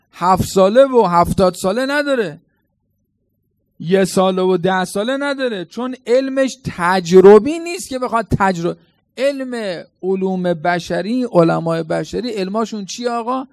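A man's voice: high-pitched, vocal fry, no echo. A man preaching a colloquial sermon, telling stories dramatically and quizzing the congregation with questions.

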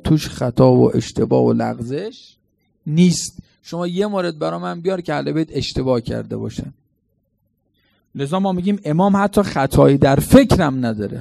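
High gravelly-voiced male preacher. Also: darkish tone, no echo, clean studio sound. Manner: dramatic, quizzes the congregation. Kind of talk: colloquial sermon with storytelling.

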